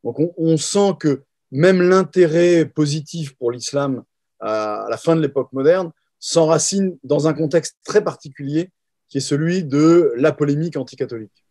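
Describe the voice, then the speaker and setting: Hesitant historian with a dark voice. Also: male voice, fairly high pitch, normal speed, no room sound, clean studio sound. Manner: hesitant, many fillers and restarts. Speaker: historian guest. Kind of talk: interview answers.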